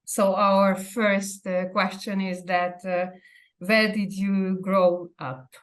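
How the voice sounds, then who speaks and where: A woman hosting an interview, speaking politely with many hesitant pauses and fillers. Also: medium pitch, level tone. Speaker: interviewer, host. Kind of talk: interview host.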